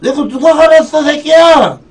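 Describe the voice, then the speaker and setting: A man's voice: extremely high pitch, expressive, moderate pace, voice pushed up. A man putting on a hungover young son who whines, confused, at his mother. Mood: whiny. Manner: drawling, whining. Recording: distant mic, background music.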